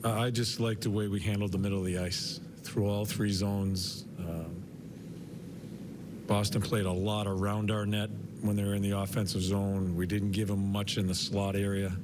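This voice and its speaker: The broadcast feed carries a steady hiss beneath an older head coach, in his sixties, speaking after the game from a podium mic in an arena press room, shown in a medium shot. His voice is fairly low and his pace moderate, and he stumbles, repeats words, and uses fillers.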